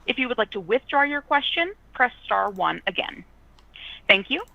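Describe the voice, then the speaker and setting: A woman's voice: a little high, big pitch swings, normal speed, vocal fry, no room sound. A woman working as a conference call operator, reading a scripted announcement over a telephone line.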